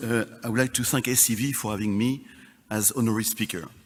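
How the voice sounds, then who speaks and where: A man speaks with a strong French accent. His pace is fairly quick. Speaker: business federation president. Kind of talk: conference keynote speech.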